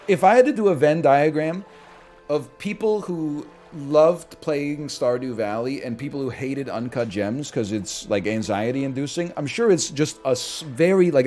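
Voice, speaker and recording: A man in his thirties riffing casually while streaming games, animated and swinging between loud and quiet for comic bits, on a headset mic at home. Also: a little high, normal speed, soft background music. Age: 30s. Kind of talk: casual gaming stream chat. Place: small room at home.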